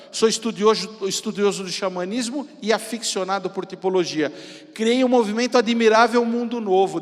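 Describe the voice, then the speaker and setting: A man in his fifties speaks from a stage in a notably high-pitched voice with a São Paulo Brazilian accent. He tells personal stories like an entrepreneur on the festival circuit, informal and theatrical with emphatic pauses. His words ring with the long reverb of a large hall. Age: 50s. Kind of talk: motivational personal-story stage talk.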